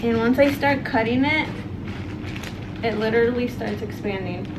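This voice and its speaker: Speaking at a moderate pace in a slightly high voice, this young vlogger reviews products at home in her bedroom and on the stairs. She's chatty and informal, addressing her audience as "guys" with plenty of ums and likes, while background noise carries through.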